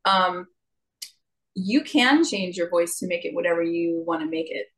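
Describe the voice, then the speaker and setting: A middle-aged woman, a singer and vocal coach, talking as an interview guest in an animated way and sometimes jumping into higher playful voices to show a point. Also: moderate pace, poor audio. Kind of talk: conversational interview.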